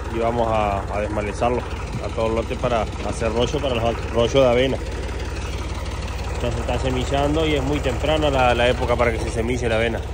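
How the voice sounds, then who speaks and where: Noticeable background noise accompanies a man speaking at a very fast pace. The sound is dry with no echo. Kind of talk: casual vlog chat. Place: open country. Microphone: phone near.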